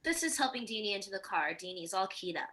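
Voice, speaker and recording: A woman's voice: mid-range voice, animated, quick pace, sharp tone. A woman narrating a screenplay, reading stage directions in a scripted table-read style.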